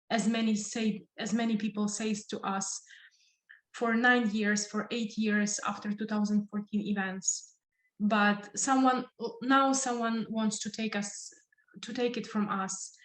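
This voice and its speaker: Echoey, slow-speaking Ukrainian woman. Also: a little high. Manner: halting, searching for words in non-native English. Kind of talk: earnest impromptu speech in an online discussion. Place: indoors, online video call. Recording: echoey room on a video call.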